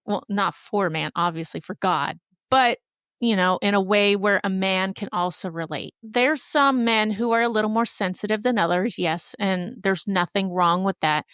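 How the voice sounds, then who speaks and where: A woman's voice: medium pitch, normal speed, fairly bright tone, smooth, no room sound, clean studio sound. A woman hosting a conversational Christian podcast, speaking in an earnest, opinionated way. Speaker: podcast host.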